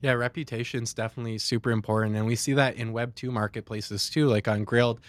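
A man chats casually as a co-host, loose and relaxed. His voice is of middling pitch. The recording is dry, with no room sound. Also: quick pace, no room sound. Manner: casual, relaxed, says "bro". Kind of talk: casual chat.

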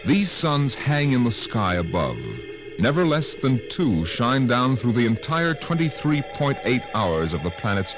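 A man narrating a scripted 1950s radio drama as announcer, dramatic and portentous. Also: mid-range voice. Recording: old radio broadcast with music.

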